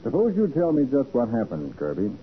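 An actor playing a confident, inquisitive private detective in a 1940s radio crime drama, assured and probing. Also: male voice, medium pitch, wildly swooping pitch, brisk. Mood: assured, curious. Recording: muffled, hissy 1940s radio recording.

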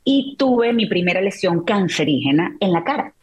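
A woman's voice: lowish voice, very animated, moderate pace, a little mellow, slightly rough. A middle-aged woman, a guest on an interview show, telling a personal story in an emotional, reflective way and often restarting her sentences.

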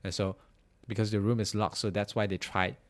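A young man from Malaysia telling a story in casual chat, animated and full of "like", with bursts of loud laughter. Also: fairly low pitch, fairly quick.

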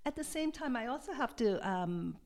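A woman from Hawaii, a love and sexuality coach, talking in a soft, hesitant and reflective way as an interview guest. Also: on the high side, expressive, moderate pace. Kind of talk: podcast interview.

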